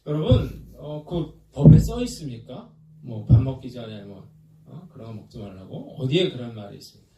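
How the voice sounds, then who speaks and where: A man's voice: mid-range voice, very animated, moderate pace, dark tone. Man preaching a sermon, chatty with lots of ums, sounds far from the mic, roomy church, bit of noise. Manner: leads the congregation in call-and-response, conversational with many hesitations. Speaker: pastor. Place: church sanctuary.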